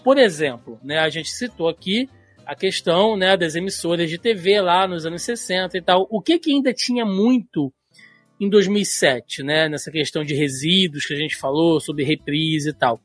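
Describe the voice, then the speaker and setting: Over soft background music, a Carioca podcast co-host from Brazil, a man in his thirties, chats casually and explains things at length. He goes off on tangents and fills his speech with "né." His voice is fairly high, at a moderate pace.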